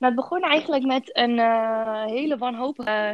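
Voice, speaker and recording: Ordinary pitch variation marks the high-pitched speech of a woman. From Netherlands, Purmerend (North Holland). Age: 20s. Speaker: nursing home worker and nursing student. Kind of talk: casual chat.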